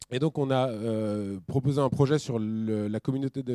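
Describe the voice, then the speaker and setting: A man speaks at a medium pitch with ordinary pitch variation and a dark, mellow tone, the sound dry and close with no echo. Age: 40s. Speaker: engineer and permaculture farmer giving a talk. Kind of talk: conference talk with slides. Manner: halting, many repeated words and fillers.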